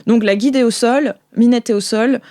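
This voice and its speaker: A woman's voice: a little high, moderate pace, mellow, no room sound, studio quality. A woman improvises colloquial narration as game master, piecing sentences together hesitantly. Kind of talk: improvised narration of a tabletop role-playing game.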